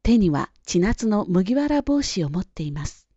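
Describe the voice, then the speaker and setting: A woman narrating a children's storybook in a gentle, even way. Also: mid-range voice, normal speed, no echo, dull audio. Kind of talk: storybook reading.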